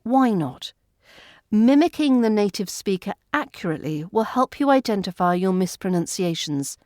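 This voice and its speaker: A woman with an RP British accent, giving a scripted lesson as an accent coach, speaking in a clear, carefully enunciated way. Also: medium pitch, darkish tone, no echo, clean studio sound. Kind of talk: scripted teaching narration.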